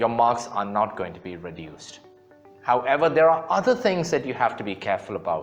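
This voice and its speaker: Fairly quick, medium-pitched male speech amid noticeable background noise. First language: not English. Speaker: English test prep teacher. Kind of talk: tutorial. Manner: conversational.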